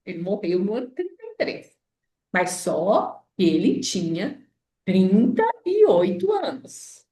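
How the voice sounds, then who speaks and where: A woman's voice: medium pitch, big pitch swings, slow pace, mellow, recorded from a distance. A Brazilian woman leading an informal Bible study lesson, explaining and often checking in with her listeners. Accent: Brazilian Portuguese. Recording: echoey room, voice off-mic.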